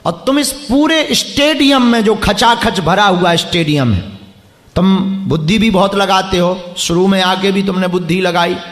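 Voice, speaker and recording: A man's voice: high-pitched, moderate pace, a bit bright, reverberant. A preacher addressing a live crowd in a packed stadium, teasing and bantering with people he calls up. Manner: teasing, bantering with audience members. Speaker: preacher leading a religious gathering.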